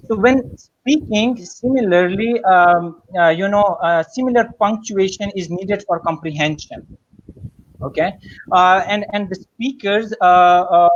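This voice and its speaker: A man's voice: high-pitched, dull audio. A man giving a spoken lesson on public speaking, hesitant and full of fillers and restarts. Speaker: guest speaker.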